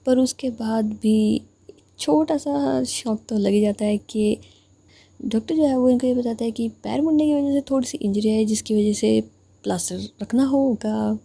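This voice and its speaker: Soft-voiced woman telling a story. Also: on the high side, moderate pace, gravelly, slightly rough. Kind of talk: casual story narration.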